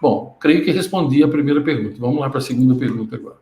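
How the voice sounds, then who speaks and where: A man's voice: fast, mellow. Emphatic man coaching. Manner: emphatic, keeps checking "understand?" with sudden upward pitch jumps. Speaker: emotional-control coach answering students. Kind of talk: live Q&A teaching. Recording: roomy echo.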